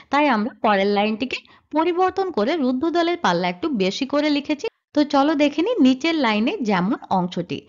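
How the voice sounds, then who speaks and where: High lively-voiced woman teaching a lesson. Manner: explains step by step, asks and answers her own questions. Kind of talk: slide-based grammar lesson. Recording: dull lo-fi sound.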